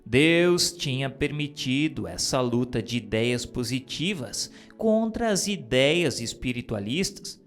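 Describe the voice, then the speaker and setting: Male reader, solemn and declamatory, very slow, with a lively rising and falling pitch, over soft music. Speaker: reader of spiritist texts. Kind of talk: slow solemn reading of dictated messages. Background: soft background music.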